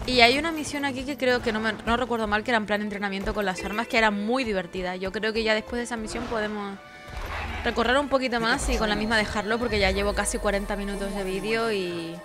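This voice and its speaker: A woman's voice: medium pitch, fast talker. Tired, chatty woman gamer. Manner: chatty, swears freely, dramatic cries for help during fights. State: tired, sleepy. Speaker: gameplay streamer. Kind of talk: casual gameplay commentary. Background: game music.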